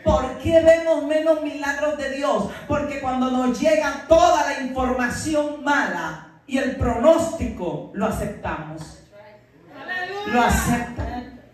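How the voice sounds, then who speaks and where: A middle-aged woman pastor preaching a fervent sermon, often shouting and telling stories with acted-out dialogue. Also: sits high, slow. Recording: very echoey hall, voice far from mic.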